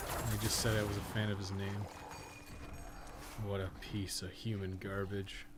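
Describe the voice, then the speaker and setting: A man's voice: fairly low pitch, level tone, measured pace, heavy background noise. A man doing casual, sweary live gameplay commentary, often muttering to himself as he plays. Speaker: game streamer, podcast host.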